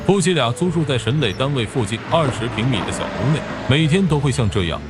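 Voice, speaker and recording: Male recap narrator over clear background music. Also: mid-range voice, expressive, fast talker. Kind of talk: scripted drama recap narration.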